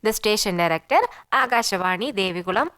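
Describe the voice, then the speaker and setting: A woman hosting a children's radio show in a studio, chatting warmly and coaxing young listeners directly. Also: medium pitch, takes it slowly, clean tone.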